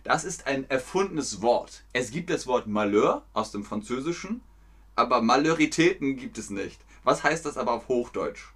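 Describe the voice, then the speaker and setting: A man teaching German in an online lesson, explaining phrases slowly and playfully, sometimes throwing in silly sound effects. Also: mid-range voice, animated, fairly bright tone, husky.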